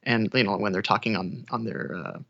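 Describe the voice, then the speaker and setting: A man's voice: fairly low pitch, a little fast, fairly bright tone, highs cut off. A man speaking casually as a guest audiobook narrator in a conversational interview.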